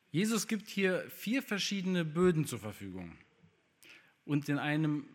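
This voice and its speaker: Man preaching a chatty sermon. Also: on the high side. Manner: conversational, asks the congregation questions, many fillers. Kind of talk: sermon with scripture reading.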